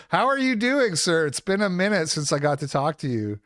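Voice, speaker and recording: A man's voice: a little high, fairly bright tone, no room sound. Easygoing man hosting, dry sound. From Saskatchewan, Canada. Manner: easygoing, chatty, laughs often. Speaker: podcast host. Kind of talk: casual livestream chat. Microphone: remote call setup.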